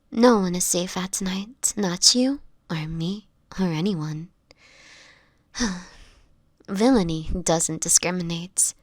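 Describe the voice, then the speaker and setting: For an intimate audio drama, a woman plays a sickly, frail, world-weary vampire who coughs as she talks. Her voice sits on the low side, hushed and breathy, moving very slowly through slightly formal, old-fashioned wording. The tone is gentle and protective, recorded dry and close with no echo.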